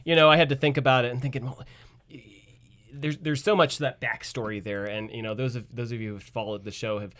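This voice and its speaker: A man chatting casually as a radio drama producer, halting and circling back on his phrases. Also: mid-range voice, steady tone, a bit bright. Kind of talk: casual chat.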